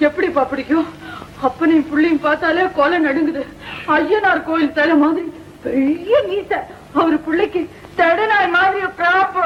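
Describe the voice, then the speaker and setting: A woman's voice: extremely high pitch, moderate pace, a little hiss or hum. An actress playing a timid, easily frightened young village woman in an old film, pleading in a childlike way. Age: young adult. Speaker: daughter. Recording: dull old film soundtrack.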